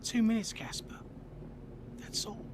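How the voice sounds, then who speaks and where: An actor playing a firm, commanding racing team boss in a video game cutscene. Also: male voice, measured pace, noisy background, close to an everyday voice.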